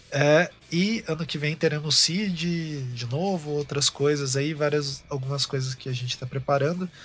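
A man with a plain, everyday voice, fairly high pitch and moderate pace. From Brazil, São Paulo. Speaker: podcast co-host and editor. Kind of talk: casual chat.

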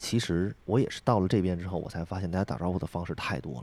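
A man talks at a fairly quick pace with a very deep, low pitch and vocal fry. The recording is very clean, with a silent background. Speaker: podcast co-host, software developer living in the US. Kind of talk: casual chat.

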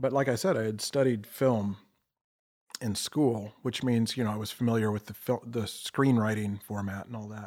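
With an American accent, a plain, everyday voice talks at a moderate pace with fairly even intonation. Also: man, medium pitch for a man, big swings in loudness. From US South, South Georgia/north Florida line. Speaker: author and playwright. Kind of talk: interview.

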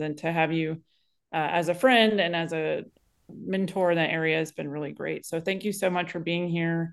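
Against a quiet background, a woman with an unremarkable speaking voice talks at a moderate pace in a fairly low pitch. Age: 40s. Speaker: podcast host. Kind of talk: casual interview chat.

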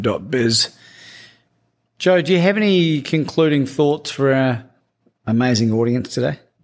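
Using lively intonation and a moderate pace, a man with an Australian accent speaks with long, frequent pauses. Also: medium pitch for a man. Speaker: podcast host. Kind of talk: casual interview chat. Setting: video call.

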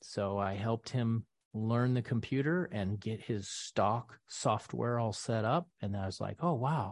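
An unremarkable speaking voice from a man, at a moderate pace with ordinary pitch variation, sits against a quiet background. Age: 40s. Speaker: podcast host and trading educator. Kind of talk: interview.

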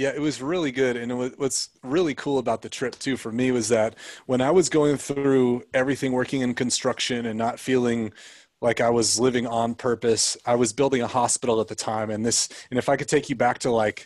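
In an American accent, a man with a normal speaking voice talks at a fairly quick pace and a medium pitch with fairly even intonation. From California. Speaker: fitness coach. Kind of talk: interview.

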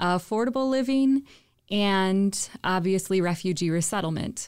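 At a fairly slow pace, a woman with a plain, everyday voice speaks at a medium pitch with ordinary pitch variation. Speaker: refugee services outreach lead. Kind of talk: radio interview. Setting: studio.

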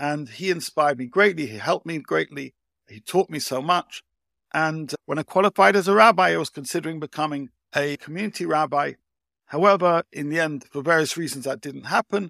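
On a very clean recording with a silent background and a dry, close sound with no echo, a man with a British accent speaks at a fairly quick pace in a fairly high, bright, sharp tone, with ordinary pitch variation and big swings in loudness. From UK. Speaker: rabbi and educator. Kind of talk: interview conversation.

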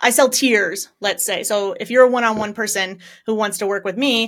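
In a Northeastern US accent, a woman talks at a fairly quick pace in a fairly high voice. The recording is very clean with a silent background. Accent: American (Northeastern). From upstate New York. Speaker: accent coach. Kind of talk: casual coaching conversation.

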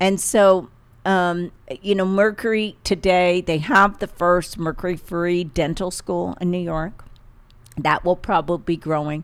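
An ordinary speaking voice, a woman's, fairly low in pitch, talks at a fairly slow pace with fairly even intonation on a very clean recording with a silent background. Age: 60s. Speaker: integrative medicine doctor. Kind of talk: interview.

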